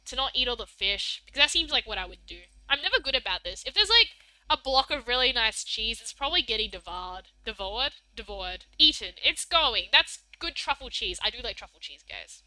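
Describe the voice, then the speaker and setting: A woman's voice: high voice, big pitch swings, brisk, bright, forceful tone, no room sound, low-quality recording. A young Australian woman streaming live, chatting casually and reading messages from chat in a bubbly, giggly, rambling way.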